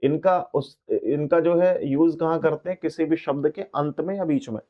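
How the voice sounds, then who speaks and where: A man's voice: fairly high pitch, normal speed, dull audio. A man teaching Hindi grammar in an online exam-prep lesson. He talks casually and repeats each word several times as he checks that his students follow.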